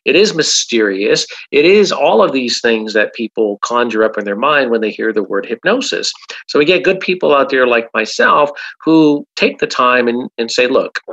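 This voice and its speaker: A man's voice: mid-range voice, gravelly, a bit bright, lo-fi sound. A man, a hypnotherapist guest in an interview, talking emphatically and often repeating "absolutely". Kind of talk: casual interview talk.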